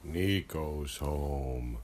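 Woman doing a very low, blunt big dog. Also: very slow, darkish tone, exaggerated voice. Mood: possessive, refusing. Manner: blunt, terse refusals. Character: big, stubborn, possessive male dog in storybook.

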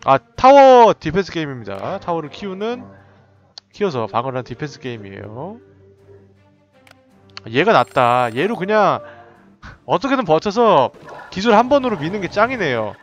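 Lively man narrating his gameplay. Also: on the high side, normal speed, long pauses, soft background music. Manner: excited running commentary with frequent laughs. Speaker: game streamer. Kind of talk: live gameplay commentary.

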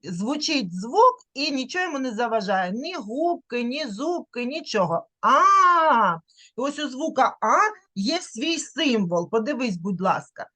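A woman's voice: on the high side, very animated, normal speed. A woman giving an online literacy lesson to a young child over a video call. She draws out the vowel sounds to demonstrate them and coaxes the child along with patient questions. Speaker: teacher.

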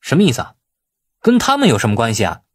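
A man voicing a quick-tempered, proud male heir in an audiobook drama, speaking emphatically and indignantly. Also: mid-range voice, wildly swooping pitch, slightly rough. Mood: startled.

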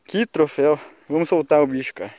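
A young man with a Brazilian Portuguese accent, out of breath, talking excitedly to viewers as he lands a fish on a riverbank. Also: on the high side, fairly quick, no echo, poor audio. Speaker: fishing vlogger. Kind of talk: excited outdoor fishing commentary. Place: outdoors on a riverbank. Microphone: handheld camera mic.

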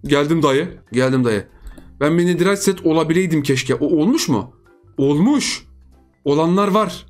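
A man giving casual, excitable commentary over his own video game, often repeating words in quick bursts. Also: fairly high pitch, faint music behind. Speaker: gaming YouTuber.

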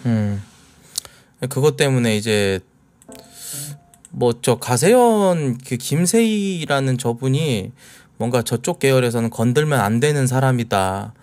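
A man's voice: medium pitch, expressive, a little slow, a little mellow, soft background music. A man casually commenting on clips as a streamer, relaying what he has heard with many hesitant fillers.

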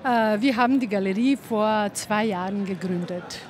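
A woman's voice: mid-range voice, normal speed, a little mellow. A woman answering interview questions outdoors, hesitating with many fillers. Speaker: gallery founder. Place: outdoor street festival. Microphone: handheld mic.

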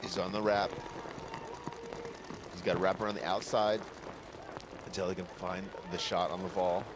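Deep-voiced man analysing sport. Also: little pitch movement, normal speed, background noise. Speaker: color commentator. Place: outdoor paintball field.

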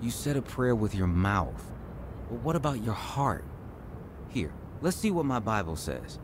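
An actor playing a compassionate, patient Christian friend, exhorting earnestly in a radio drama. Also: male voice, mid-range voice, very animated, unhurried, noisy background. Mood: earnest, consoling. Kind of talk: radio drama acting, reciting scripture.

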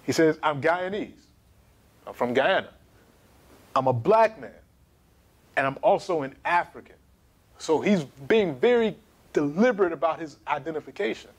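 A man in his thirties giving an emphatic, animated history lecture to camera in a small studio. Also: a little high, normal speed, pauses often. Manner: animated, emphatic, gesturing while pacing.

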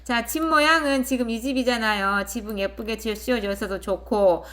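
A woman's voice: on the high side, normal speed, fairly bright tone. A woman hosting a property channel, explaining a listing in a conversational way and often checking in with viewers. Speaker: host of a rural real-estate channel. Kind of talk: casual explanatory narration of property listing and photos.

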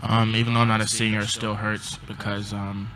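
A young man and college basketball player answering postgame press questions in a subdued, halting way, with many pauses and ums, into a table mic. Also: on the low side, flat delivery, pushed and bright, a little hiss or hum, low-quality recording. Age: young adult. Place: press conference room.

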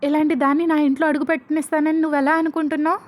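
An enraged, possessive young man who shouts and sneers, read by a woman storyteller. His cutting, scornful words come in a high voice. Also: level tone, rapid-fire, natural voice. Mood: furious.

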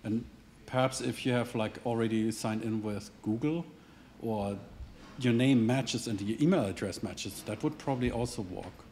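A man's voice: mid-range voice, moderate pace, few pauses, a little mellow, slight background noise. A man answering audience questions at a tech meetup, hesitant, with many restarts and hedges. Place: meetup venue, indoors, standing at a lectern.

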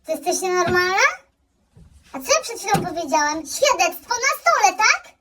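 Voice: very high-pitched, sing-song, normal speed, sharp tone, far from the mic, a little hiss or hum, exaggerated voice. A performer playing a spoiled teenage boy in a comedy sketch who bosses his mother around and answers rudely. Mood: bossy. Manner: dismissive, bossy, crude. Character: spoiled rude teenage boy gamer, dismissive and bossy. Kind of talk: comedy sketch role-play.

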